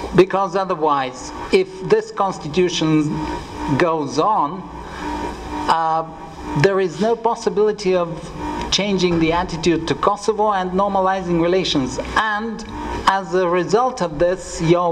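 Long, frequent pauses at a fairly slow pace, over noticeable background noise. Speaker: audience member asking questions. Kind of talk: Q&A question. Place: hall. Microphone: podium.

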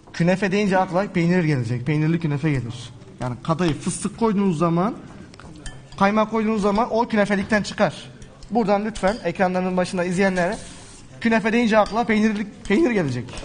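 With faint music in the background, a man with a high pitch talks at a fairly quick pace with lively intonation. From Hatay, southern Turkey. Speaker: künefe cook; guest. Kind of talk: cooking demonstration. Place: studio. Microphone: lapel.

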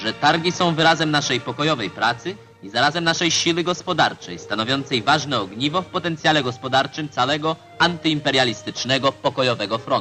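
Over music in the background, a man with a fairly high pitch talks at a very fast pace with ordinary pitch variation. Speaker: newsreel narrator. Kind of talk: newsreel narration.

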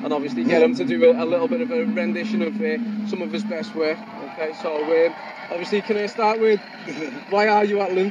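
Loud background noise runs under this man's voice. He talks at a very fast pace in a high pitch. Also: ordinary pitch variation, dry sound with no echo. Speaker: radio presenter. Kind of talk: radio interview host. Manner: casual, upbeat.

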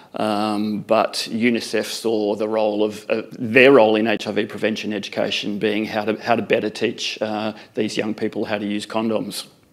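A man speaks with an Australian accent over a quiet background. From Melbourne, Australia. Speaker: nonprofit director. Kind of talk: panel presentation. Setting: conference stage with audience. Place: hall. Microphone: podium.

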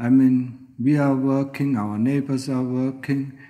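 Over a quiet background, a man with a German accent talks at a fairly slow pace. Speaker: Buddhist monk teacher. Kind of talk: dharma talk. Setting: monastery. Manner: halting, frequent filler 'yeah?'. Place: hall.

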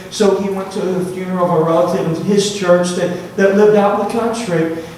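Strong room echo and light background noise surround a man talking at a fairly quick pace in a high pitch. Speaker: pastor. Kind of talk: sermon. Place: church.

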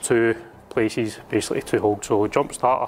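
A man's monotone, flat delivery at a moderate pace, with music in the background. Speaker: product reviewer. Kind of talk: casual product review. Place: workshop.

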